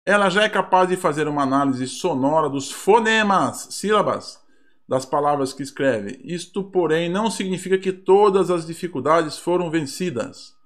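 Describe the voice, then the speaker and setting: A man's voice: on the high side, animated, moderate pace, a bit bright. A man with a Brazilian Portuguese accent, a teacher reviewing mock exam questions in an online lesson, reading aloud with ironic asides.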